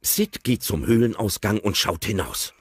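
A man narrating an audio play, describing the action in an animated storytelling way. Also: lowish voice, moderate pace, husky, dry recording, clean studio sound.

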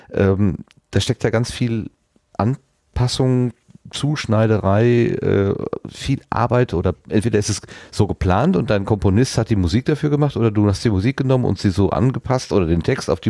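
A man's voice: on the low side, dark tone, dry recording, clean studio sound. A man hosting a podcast interview, asking casual questions and carefully rephrasing them as he goes.

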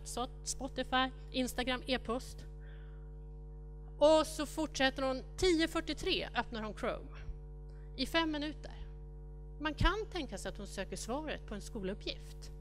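A woman's voice: high voice, fairly bright tone. A middle-aged woman giving a conference keynote in a large lecture hall, rattling off lists and speculating aloud. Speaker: keynote speaker.

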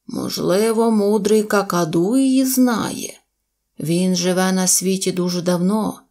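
A woman's voice: mid-range voice, a little slow, mellow, lightly acted. A woman doing a matter-of-fact African deer. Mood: calm. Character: friendly African deer, plain and helpful.

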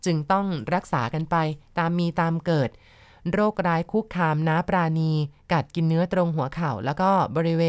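Low-voiced woman telling a ghost story. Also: dry recording. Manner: polite, conversational, adds soft particles and asides. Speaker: storyteller and channel host.

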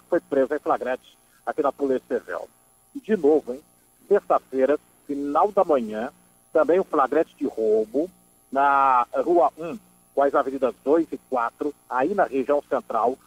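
Husky police-news reporter, a man. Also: on the high side, no echo, low-quality recording. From Brazil. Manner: emphatic, repeats phrases for stress, conversational asides. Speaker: police-beat radio reporter. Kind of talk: police news bulletin, semi-improvised reporting. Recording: dry voice over background music. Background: background music.

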